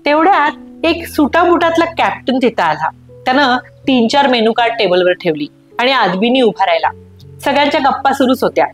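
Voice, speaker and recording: A woman's voice: fairly quick, soft background music. A woman reading a short story aloud, narrating expressively. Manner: voices friends' dialogue with raised excited pitch. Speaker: story reader.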